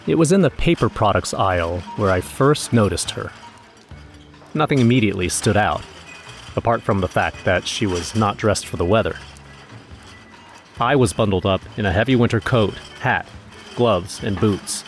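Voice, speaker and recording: Casting: male actor for wry, nervous everyman narrator, lowish voice, scripted horror audio drama storytelling. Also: normal speed, faint music behind, lightly acted. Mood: wry, uneasy.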